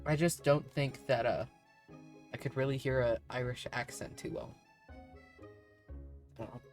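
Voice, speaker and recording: A woman's voice: a bass voice, fairly even intonation, normal speed, darkish tone. A woman streamer chatting casually while playing a game, rambling and laughing often. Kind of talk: casual chat while gaming. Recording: faint music behind.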